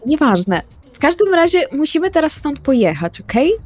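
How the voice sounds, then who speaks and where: A woman's voice: sits high, sing-song, moderate pace, a little mellow, soft background music, pitched above the performer's own voice. A woman playing an evasive, harried young woman in a roleplay session, hesitant but urgent as she manages others. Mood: evasive, hurried. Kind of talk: improvised tabletop roleplay acting.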